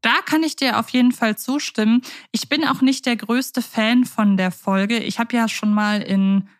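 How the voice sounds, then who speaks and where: A woman's voice: on the high side, fairly even intonation, normal speed. Female podcast co-host, casual and talkative, hesitates with fillers. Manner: chatty, thinks aloud with fillers.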